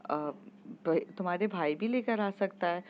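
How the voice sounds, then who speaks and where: A woman's voice: mid-range voice, a little slow, highs cut off, slight background noise, close to an everyday voice. A woman voicing Avani, a reserved young woman who answers in a cool, evasive way.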